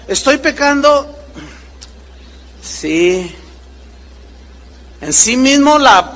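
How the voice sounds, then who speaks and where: A man preaches in a high, bright voice with a long reverb behind him, the way a large hall sounds. He swings his pitch widely as he acts out short exchanges between people in his stories. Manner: animated preaching with acted-out dialogue voices. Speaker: pastor. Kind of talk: sermon.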